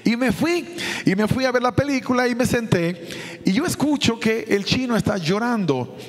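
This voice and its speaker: A man's voice: extremely high pitch, animated, moderate pace, in a large hall. A man preaching a sermon as a pastor, telling a personal story and acting out the dialogue.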